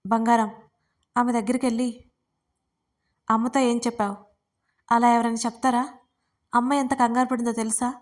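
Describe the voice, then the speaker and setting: A woman's voice: fairly high pitch, fairly even intonation, brisk, pauses often, close to an everyday voice. A woman voicing a young man, an insistent and shaken fiancé, in a storybook reading. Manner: pleading then insistent, raising his voice.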